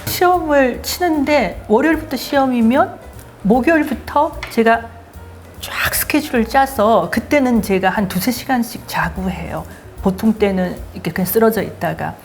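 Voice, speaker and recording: An older woman hosting her own show, telling her life story in a lively, self-mocking way. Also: on the high side, moderate pace, faint music behind. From Daegu, South Korea. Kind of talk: casual storytelling chat.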